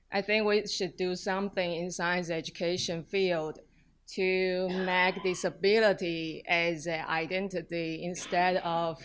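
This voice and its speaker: A woman with a Chinese accent, fairly low in pitch, flat and monotone, at a fairly slow pace. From Taiwan. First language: Mandarin Chinese. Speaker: PhD student presenter. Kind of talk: conference talk. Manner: halting, many fillers.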